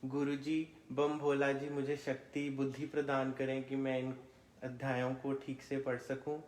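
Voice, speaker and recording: A man reading devotional scripture aloud in a measured, reverent manner, with chanted invocations. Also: medium pitch, completely flat delivery, slight background noise. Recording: roomy, echoing space.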